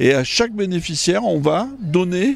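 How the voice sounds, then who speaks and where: A man speaks with lively intonation. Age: 60s. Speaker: charity volunteer. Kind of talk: interview.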